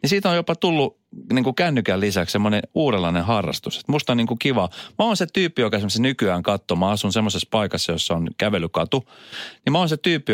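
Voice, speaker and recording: A man hosting a casual morning radio chat, musing aloud in a halting way with many fillers. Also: on the low side, dry recording, studio quality. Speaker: radio host. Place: radio studio.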